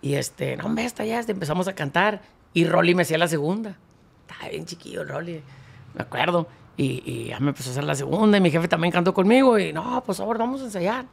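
A man, a band founder and accordionist, telling slangy, animated anecdotes as a guest in a casual interview. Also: high-pitched, quick pace, gravelly, husky.

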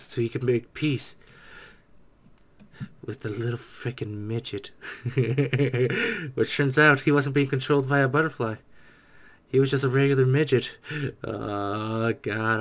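A young man gives casual gaming reactions from his desk. He is excitable and chatty, speaks at an average pitch, and tends to echo the lines he has just heard. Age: young adult. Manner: excitable, echoes lines he hears. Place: small dark room indoors.

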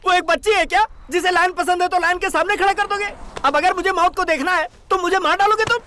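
An actor dubbing a panicky, grumbling young male sidekick in a film, with a shrill, whiny voice. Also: sing-song, normal speed, a bit bright, slight background noise, full character voice. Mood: exasperated.

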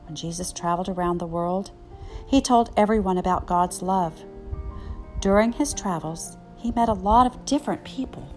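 A woman's voice: fairly low pitch, moderate pace, soft background music. An older woman narrating a children's picture book as a story time reader.

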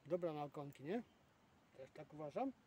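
Guy fishing outside, kinda high voice, rambles to himself in bits, far from mic w lots of noise. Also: expressive, moderate pace, dark tone. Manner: rambling, talks to himself in short fragments. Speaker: fishing vlogger. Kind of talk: casual muttering to himself while fishing. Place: outdoors at a fishing spot, windy. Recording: noisy outdoor recording, far from the mic.

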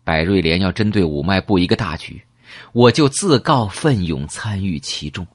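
A man voicing a ruthless, scheming young gang leader in an audiobook, confessing quickly and coldly. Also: low voice, expressive, dry recording, studio quality.

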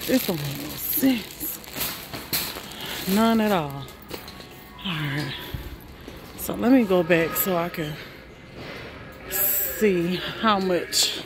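A woman's voice: fairly low pitch, animated, drawn-out words, pauses often. Chatty woman vlogging in a noisy store. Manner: chatty, exclaims over prices, keeps calling viewers "girl" and "child". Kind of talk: casual shop-with-me narration. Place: large warehouse store. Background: store noise.

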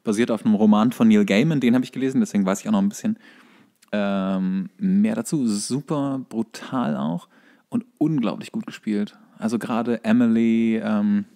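A man's voice: on the low side, steady tone, warm tone. A man co-hosting a podcast, chatting casually with a wry, joking manner. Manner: wry, quick to interject quips. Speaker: podcast co-host. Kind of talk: casual joking chat about TV series.

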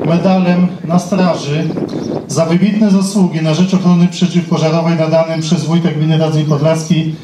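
A man's voice: a little high, steady tone, normal speed. A man acting as master of ceremonies, formally reading out scripted announcements and lists of names over an outdoor PA. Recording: echoing outdoor PA, distant, faint noise.

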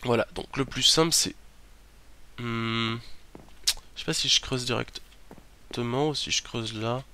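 Here a man hosts a let's play, chatting to himself as he plays and yelping out curses when caught off guard. His mid-range voice is unhurried, with a little noise behind it.

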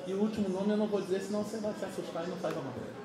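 A man in his fifties from Pernambuco, Brazil, telling stories in a chatty, animated way during an interview, often checking that his listener follows along. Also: high-pitched, racing, heavy reverb, a crowd in the background, poor audio. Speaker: musician guest. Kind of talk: casual interview. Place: small office meeting room. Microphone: camera across the table.

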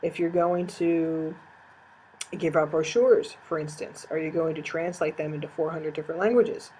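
A woman with a fairly low voice, lecturing her class. She explains things step by step, filling her pauses with small hesitations. A faint hiss sits under the recording. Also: flat delivery, darkish tone, rough recording. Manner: explanatory, with frequent fillers. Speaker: teacher.

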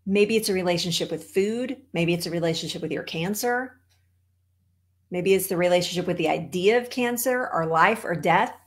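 A woman's voice: on the low side, normal speed. A middle-aged woman from Texas with an American accent, speaking emphatically as a coach to an online audience from a home office. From Texas, United States. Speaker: holistic cancer coach, show host. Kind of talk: motivational talk to an online audience. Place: small home office, indoors.

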